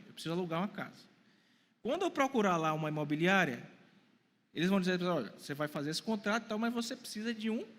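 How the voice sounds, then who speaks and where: A man's voice: high-pitched, fairly bright tone, in a large hall. A man in his forties preaching a sermon to a congregation, putting questions to them and answering them himself. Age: 40s. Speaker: pastor. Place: church hall.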